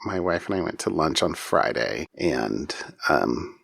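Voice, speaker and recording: A man's voice: a bass voice, expressive, measured pace, gravelly, a bit bright, breathy edge, no room sound, studio quality. A middle-aged man co-hosting a podcast, sleepy and yawning, chatting casually in a rambling way with many restarts. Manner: rambling, with frequent restarts and self-interruptions. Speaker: podcast co-host. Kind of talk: casual chat.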